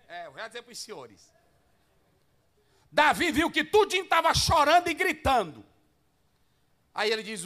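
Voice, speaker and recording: A man preaching in a high, bright voice. His delivery is highly animated, leaping from shouted lines to quiet asides. He keeps asking the congregation rhetorical questions. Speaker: pastor. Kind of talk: Pentecostal-style preaching to pastors.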